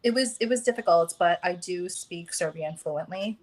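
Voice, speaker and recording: An American woman talking as a guest in a casual conversation, pausing often with fillers and restarts. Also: fairly low pitch, background noise. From United States. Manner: hesitant, many fillers and restarts.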